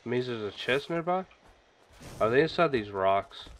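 A man hosting a gaming channel, chatting casually and reacting excitedly as he plays, sniffling from a stuffy nose. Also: mid-range voice, a little slow, slight background noise. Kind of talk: casual game commentary.

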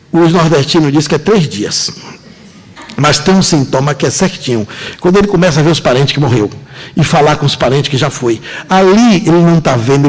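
A man with a Brazilian Portuguese accent giving a lecture to an audience in an auditorium, emphatic and joking, with drawn-out dramatic pauses. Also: on the high side, poor audio. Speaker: seminar lecturer. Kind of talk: lively lecture to a live audience.

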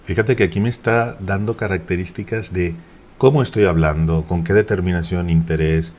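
A man hosting a video, chatting casually and quickly while demoing an app, laughing now and then. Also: sits low, darkish tone. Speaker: tech YouTuber. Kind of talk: casual sponsored app demo.

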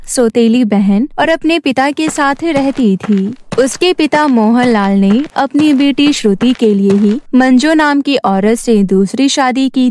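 Female story narrator: high voice, scripted read, dry sound. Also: darkish tone, dry recording.

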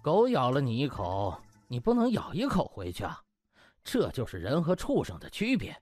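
A man's voice: medium pitch, wildly swooping pitch, normal speed, a little mellow, dry recording. A male narrator plays a hospital deputy director in an audio novel. He is stiff, pompous and coldly officious, keeping tight control over his words. Music plays behind him. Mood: smug. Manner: stiff, officious, throat-clearing.

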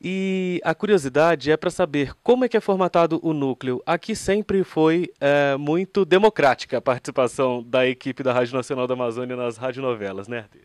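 A man's voice: mid-range voice, fairly quick, few pauses, no room sound, clean studio sound. A Brazilian man hosting a conversational radio interview in an informal, joking manner.

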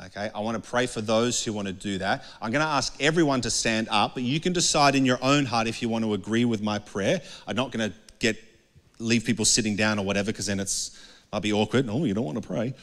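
Pastor preaching in a reverberant hall. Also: male voice, lowish voice, fairly quick, fairly bright tone. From Australia. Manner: conversational, earnest, asks the crowd questions. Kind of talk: sermon. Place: dark indoor stage with a couch. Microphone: handheld mic.

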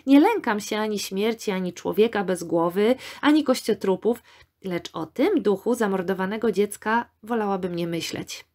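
A woman's voice: medium pitch, normal speed, a little mellow, natural voice. A woman reading the part of a dreamy, imaginative young woman student in an audiobook, speaking wistfully and eagerly. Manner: wistful, enthusiastic.

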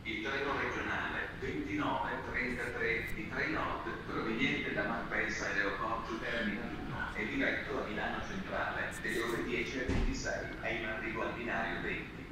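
A man's formal, evenly paced voice making a train station announcement over a loudspeaker. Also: on the low side, fairly even intonation, moderate pace, long pauses. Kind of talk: automated public announcement. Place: railway station platform. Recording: echoey station PA from far off, noisy. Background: station ambience.

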